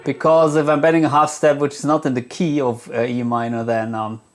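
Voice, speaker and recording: A man giving a casual tutorial as a guitar gear demonstrator, speaking in a halting way with many filled pauses. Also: medium pitch, little pitch movement.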